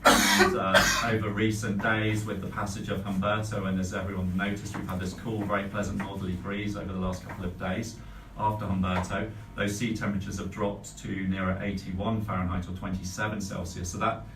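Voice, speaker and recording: A man working as a weather forecaster, giving a careful, measured explanation in a briefing style. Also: sits low, little pitch movement. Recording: echoey room, distant mic, faint noise.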